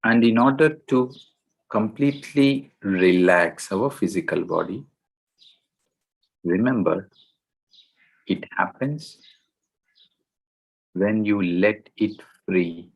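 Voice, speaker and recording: A man guiding a meditation in a gentle, deliberate way, speaking in short phrases with long pauses between them. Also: fairly low pitch, gravelly, low-quality recording. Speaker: meditation guide. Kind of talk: guided meditation instruction.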